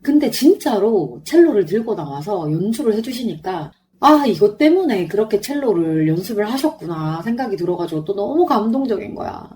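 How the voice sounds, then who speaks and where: Woman podcaster gushing like a big fan, really up and down pitch, sore throat, bit of background noise. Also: a little fast, hardly any pauses. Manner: effusive, animated fan talk. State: sore, strained throat after singing along. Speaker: podcast host. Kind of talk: chatty solo concert review.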